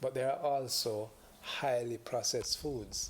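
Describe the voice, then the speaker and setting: Someone with a Jamaican accent speaks at a fairly slow pace. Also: man. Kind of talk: casual podcast conversation.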